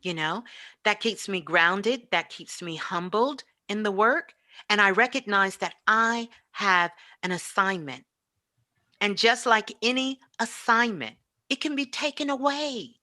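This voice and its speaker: A woman's voice: mid-range voice, a little slow, bright, forceful tone. A woman giving an impassioned spiritual talk as a guest teacher, emphatic and repetitive like a preacher.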